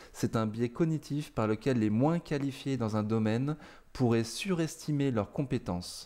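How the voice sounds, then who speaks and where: A man with a dark, mellow tone talks at a fairly slow pace, medium in pitch with ordinary pitch variation. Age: 40s. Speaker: amateur stock market youtuber. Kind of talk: personal video monologue. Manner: hesitant, many filler sounds.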